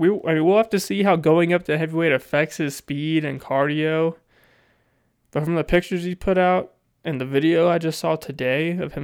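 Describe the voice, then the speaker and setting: Here a man talks at a moderate pace with fairly even intonation and a fairly high pitch. It is an ordinary speaking voice on a very clean recording with a silent background. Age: 20s. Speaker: sports podcast host. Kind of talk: casual solo podcast monologue.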